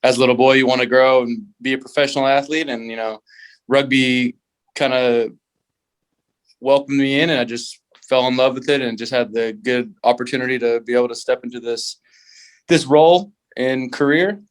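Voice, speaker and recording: Young american man, rugby player, halting answers, lots of fillers. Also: mid-range voice, fairly even intonation, clean tone, poor audio. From United States. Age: young adult. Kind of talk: casual interview answers.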